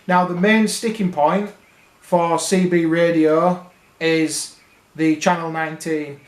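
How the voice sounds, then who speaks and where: Higher-voiced British man in an echoey room. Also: fairly even intonation, slow. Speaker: radio hobby vlogger. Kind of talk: casual explanatory talk to viewers. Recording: roomy, echoing indoor sound.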